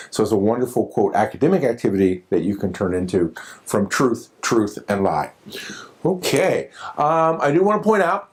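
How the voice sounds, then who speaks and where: A man's voice: mid-range voice, darkish tone. A man facilitating a teacher training workshop in a classroom, who says "okay" and "as far as" again and again. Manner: repeats "okay" and "as far as" often.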